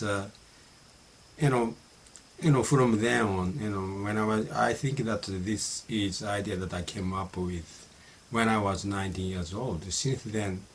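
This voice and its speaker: Middle-aged Japanese man, talking alone, Japanese accent, low-pitched voice, halting delivery packed with fillers and restarts, faint hiss under the voice. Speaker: vlogger practicing English. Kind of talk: casual solo monologue.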